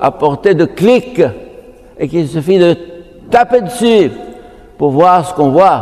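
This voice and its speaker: This man has a high-pitched voice. Noticeable background noise runs under his speech. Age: 80s+. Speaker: Jesuit priest. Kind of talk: sermon. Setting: church.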